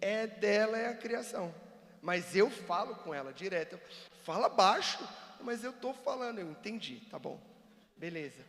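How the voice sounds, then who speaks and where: A man giving an animated, joking church seminar talk and acting out examples for the audience. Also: sits high, moderate pace. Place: church hall. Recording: long reverb of a church hall.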